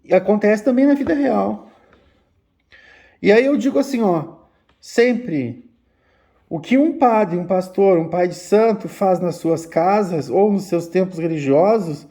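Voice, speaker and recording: A man, an umbanda teacher giving a slow, repetitive religious talk to his viewers. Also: high voice, creaky, dark tone. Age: 50s. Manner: slow, repetitive, addressing listeners as "gente". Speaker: umbanda spiritual teacher and channel host.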